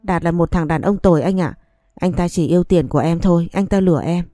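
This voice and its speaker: A sly young wife who coaxes and begs, soft and sweet-talking, as a woman narrator voices her in an audiobook. The voice is low, warm and mellow, recorded close and dry. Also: brisk, dry recording, faint music behind, natural voice. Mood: pleading. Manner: coaxing and pleading. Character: scheming young wife, pleading, tearful, sly. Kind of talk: audiobook story reading.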